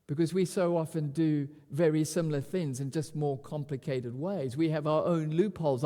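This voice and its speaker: A man preaching a sermon at a pulpit microphone, animated and often repeating words as he restarts. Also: on the high side, big-room sound. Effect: speaking at a pulpit microphone. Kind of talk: expository sermon.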